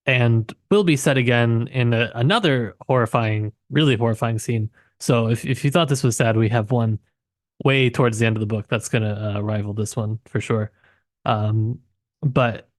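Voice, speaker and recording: A man co-hosting a book podcast, reflecting casually and haltingly as he searches for his words. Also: mid-range voice, no echo, studio quality. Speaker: podcast co-host.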